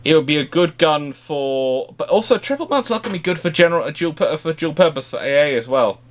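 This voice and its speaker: Halting man discussing naval hardware. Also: a little high, lively intonation. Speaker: naval history expert answering questions. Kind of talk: discussion and commentary on naval history.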